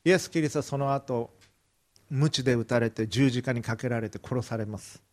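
A man preaching to his congregation, retelling a Bible story. He dramatizes the quoted speech in quick bursts. His voice sits at an ordinary middle pitch. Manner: vivid retelling, briefly acting out quoted lines. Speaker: pastor. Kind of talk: sermon storytelling.

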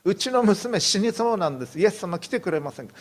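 A man's voice: sits high, expressive, quick pace, voice pushed up. A man voicing a desperate father who pleads urgently for help for his dying daughter. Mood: pleading.

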